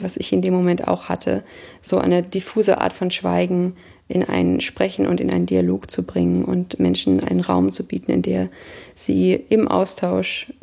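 Thirties woman, interviewee, reflective and searching; heavy vocal fry, mellow tone. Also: lowish voice. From Germany. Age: 30s. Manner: thoughtful, searching, pauses with hesitations.

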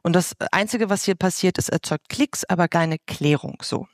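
A woman's voice: on the low side, moderate pace, no echo, studio quality. A woman representing a media association, firmly rebutting the framing in a panel debate. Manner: firm, rebutting, emphatic.

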